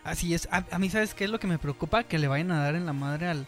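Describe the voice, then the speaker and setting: A young Mexican man with a fairly high voice, co-hosting a casual podcast chat. He bantered with jokes and slang, in a relaxed back-and-forth. Faint music runs underneath. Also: fast. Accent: Mexican Spanish. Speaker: podcast co-host.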